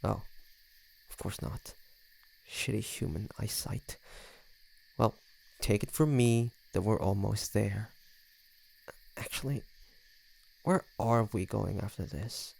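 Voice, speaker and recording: Man playing a slow, low, smug vampire. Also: gravelly, a little mellow, heavily acted. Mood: smug, teasing. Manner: sardonic, flirtatious, drawling with sighs and chuckles. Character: teasing, smug century-old male vampire, suave and predatory. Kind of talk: roleplay audio drama, intimate one-sided dialogue.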